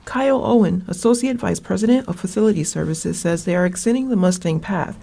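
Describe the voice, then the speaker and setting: A woman's voice: lowish voice, fairly quick, creaky, mellow. A woman in her twenties delivering scripted local news reports as a student reporter. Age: 20s. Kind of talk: scripted news package narration and stand-ups.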